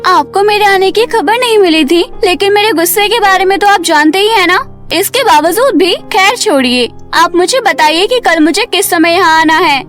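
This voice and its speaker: A woman's voice: very high-pitched, expressive, moderate pace, a bit bright, faint music behind. A woman voicing a hot-tempered young serpent woman in a cartoon story, with dramatic, emotional delivery. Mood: indignant, reproachful.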